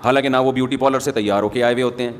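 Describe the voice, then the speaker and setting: Speaking at a medium pitch in a steady tone, a man preaches an Islamic sermon, chatting with his audience and slipping in jokes. The recording carries a long hall reverb, faint ambience and a little hiss or hum.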